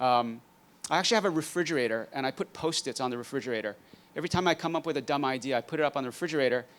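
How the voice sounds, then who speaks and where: Fields: Sex: man. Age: 50s. Origin: Hawaii. Role: guest speaker at a master class. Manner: relaxed and dry-humored, many ums. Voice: smooth. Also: medium pitch. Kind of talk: conference master class talk.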